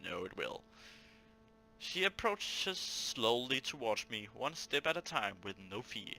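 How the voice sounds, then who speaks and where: A man hosting a let's play, reading a visual novel aloud and breaking off into animated, jokey asides. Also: medium pitch, takes it slowly, creaky, rough recording.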